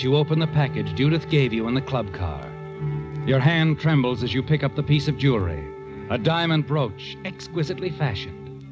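A man's voice: medium pitch, natural voice. A man acting an ominous, taunting American narrator of an old radio thriller. His knowing delivery rises and falls dramatically over prominent music, on a dull vintage recording. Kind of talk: 1940s radio suspense narration, second person.

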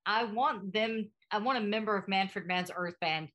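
Bright, excitable woman co-host. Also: mid-range voice, slight background noise. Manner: excitable, jokey, quick interjections. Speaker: podcast co-host. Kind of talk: casual chat.

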